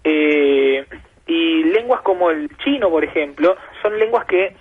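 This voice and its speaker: A slightly high, husky Argentine man explains things patiently, like a professor, layering example on example. He speaks over a muffled telephone line carried on radio. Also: lively intonation, slow. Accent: Argentine Spanish. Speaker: guest expert.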